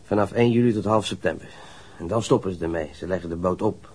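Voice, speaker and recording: A man's voice: low-pitched, fast, darkish tone, slightly rough. An actor playing a surly, defensive young male ship's stoker in a radio crime drama, coarse and sullen, stammering when riled. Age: young adult.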